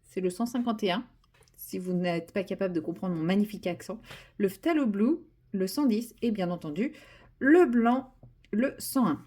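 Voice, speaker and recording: Young woman vlogger rambling about her coloring, lots of euhs, mid pitch, mellow voice. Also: normal speed. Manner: rambling, many fillers and restarts, self-mocking. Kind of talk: casual chat while coloring.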